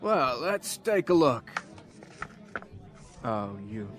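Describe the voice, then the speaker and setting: A man's voice: medium pitch, big pitch swings, extremely slow, a bit bright, heavily acted. A man playing a cocky, flamboyant, jokey detective in an audio drama, showy and boisterous. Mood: playful. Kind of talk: full-cast audio drama acting.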